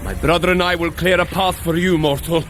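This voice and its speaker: An actor playing a hearty, earnest, slightly dim thunder god, speaking in a grand, formal manner in an audio adventure. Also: male voice, fairly high pitch, fairly even intonation, a little fast, fairly bright tone, a little hiss or hum, natural voice. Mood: bold, commanding. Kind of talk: dramatised audio adventure for runners.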